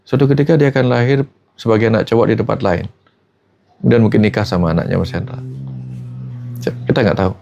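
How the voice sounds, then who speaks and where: Guy with a gravelly voice talking spirit stuff, calm storyteller, keeps saying the host's name. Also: lowish voice, lo-fi sound, a little hiss or hum. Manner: quotes people in the story. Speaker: spiritual teacher. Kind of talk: casual spiritual talk.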